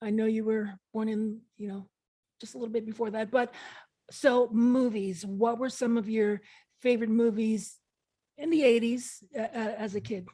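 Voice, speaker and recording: Bright-voiced New woman interviewer. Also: on the high side, steady tone, normal speed. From New York, raised in Puerto Rico. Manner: friendly, leading questions. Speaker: interviewer, host. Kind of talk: casual interview.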